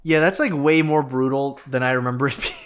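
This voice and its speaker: A man's voice: mid-range voice, brisk, very noisy. A man hosting a comedic, profanity-laced movie recap in a casual, jokey way. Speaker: host.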